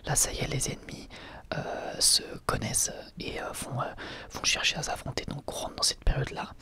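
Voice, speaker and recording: Male ASMR host for whispered reviews, bright breathy tone, thinks aloud hesitantly. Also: normal speed. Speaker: host reviewing an anime episode.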